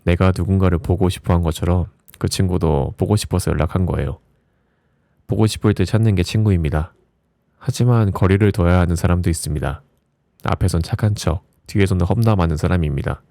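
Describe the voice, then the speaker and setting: A man with a low voice reads reflective essays as an audiobook narrator, in a soft ASMR style with a gentle, soothing bedtime delivery. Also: fairly quick, vocal fry, no room sound, clean studio sound. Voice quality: low, mellow voice.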